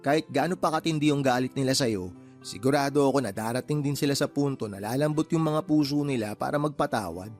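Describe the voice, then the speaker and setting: A man's voice: medium pitch, fast talker, darkish tone, faint music behind, close to an everyday voice. An actor playing a teasing, joking male friend in a radio drama, laughing often. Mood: comforting. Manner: playful, wisecracking, laughs often. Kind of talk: Tagalog radio drama acting.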